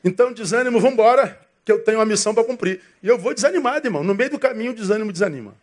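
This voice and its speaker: A Brazilian pastor with a notably high voice delivers a sermon. He talks to the congregation like a friend, calling them brother and throwing questions at them. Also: lively intonation, very fast. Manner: conversational, calls listeners "irmão", asks them questions.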